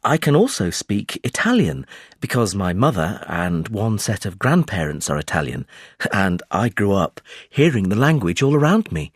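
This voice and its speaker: A young man from Brazil, a native Portuguese speaker, giving scripted sample exam answers in a lively, expressive way. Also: fairly low pitch, normal speed, breathy edge, no room sound, studio quality. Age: young adult.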